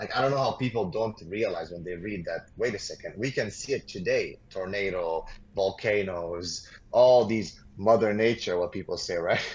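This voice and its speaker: This man speaks at a moderate pace with a Romanian accent, a fairly low pitch, ordinary pitch variation and a somewhat breathy sound. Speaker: Islamic scholar. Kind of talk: religious discussion.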